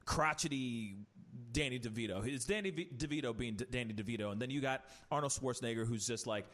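Speaking fast in a medium-pitched, fairly bright voice, a man hosts a casual podcast chat. He rants animatedly, firing off rhetorical questions and restarting often.

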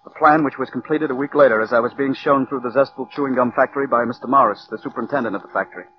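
An actor playing a nervous writer who stammers and broods over murder, in 1940s radio style. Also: male voice, mid-range voice, rapid-fire, slight background noise, close to an everyday voice. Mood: brooding. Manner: stammering when pressed, brooding in narration. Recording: dull old radio broadcast, music behind.

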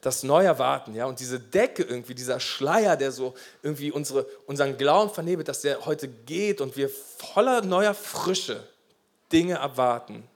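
A pastor preaches a passionate, emphatic sermon, moving between loud urgency and quiet asides. He speaks in a mid-range voice at a normal pace.

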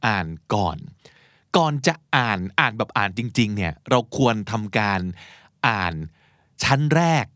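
A Thai man hosting a podcast, teaching English in a chatty, encouraging way with slow explanations. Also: on the low side, expressive, sharp tone, dry recording, studio quality. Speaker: podcast host. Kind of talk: casual English lesson.

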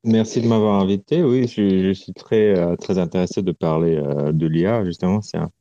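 A man from Romania, a guest speaking in a halting way and searching for words, heard over a remote call connection. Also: low voice, warm tone, no echo. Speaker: artist guest. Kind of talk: casual interview talk. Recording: dull lo-fi call audio, dry.

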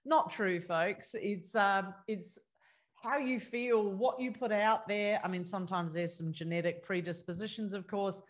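A woman, hosting a podcast interview in a chatty, laughing way. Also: mid-range voice. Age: 50s. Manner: chatty, laughs often, quick bursts. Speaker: podcast host.

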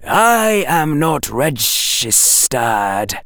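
A man voicing a sardonic, hissing snake that speaks in slow, clipped, broken phrases. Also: a little high, big pitch swings, gravelly, a bit bright, no echo, studio quality, pitched above the performer's own voice, full character voice.

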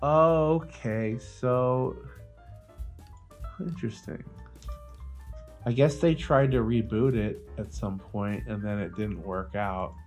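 A man's voice: on the low side, takes it slowly, long pauses, darkish tone, soft background music. A man hosting a podcast in casual chat, opinionated and slangy, swearing freely. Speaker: podcast host.

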